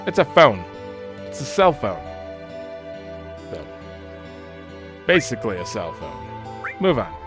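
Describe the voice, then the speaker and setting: A man's voice: lowish voice, wildly swooping pitch, slow, long pauses. A man in his thirties giving casual, offhand commentary as he plays a video game, rambling as he goes. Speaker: let's play host. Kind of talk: casual game commentary, reading dialogue aloud. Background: video game music.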